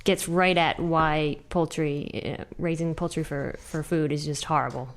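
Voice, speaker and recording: A woman co-hosts a relaxed podcast with a somewhat low voice for a woman. She chats easily, often breaking into laughter. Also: measured pace. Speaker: podcast co-host. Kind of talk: casual podcast chat.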